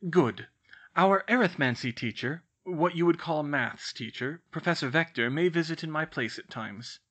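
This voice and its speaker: A man's voice: fairly high pitch, normal speed, fairly bright tone, voice pushed up. A stern older woman professor, put on by a male reader, talks in a raised, clipped voice that cuts with formal disapproval.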